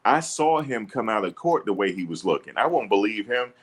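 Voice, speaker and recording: Deep-voiced, assertive man streaming live. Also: sing-song, brisk, slightly rough. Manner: assertive, blunt, combative. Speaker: livestream host. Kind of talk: livestream commentary answering chat. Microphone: streaming setup.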